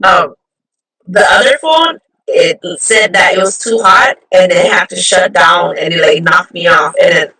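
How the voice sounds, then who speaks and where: A woman from Hawaii hosting a chatty live interview, bubbly and quick to laugh, on her phone. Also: on the low side, pushed and bright. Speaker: show host. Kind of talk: casual live-stream interview. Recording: distant phone mic.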